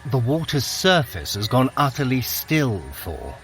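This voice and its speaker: An actor playing a clever, exasperated Norse trickster god in an audio drama, dry, sardonic and articulate. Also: male voice, mid-range voice, sing-song, unhurried, a bit bright, faint music behind. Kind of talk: scripted audio drama acting.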